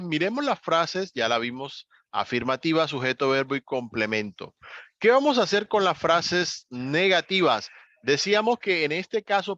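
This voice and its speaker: A man's voice: on the high side, no room sound. Man, patient step-by-step teacher, dry muffled recording. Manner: patient, step-by-step explaining with lively rises on key words. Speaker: English teacher. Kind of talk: online class explanation. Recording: dull, slightly lo-fi dry recording.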